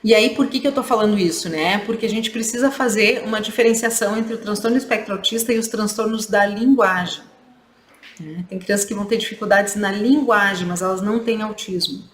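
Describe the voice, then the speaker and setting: A woman's voice: mid-range voice, fairly quick, slight background noise. A woman clinician giving a training lecture, explaining points and checking in with tag questions. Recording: echoey room with faint ambience.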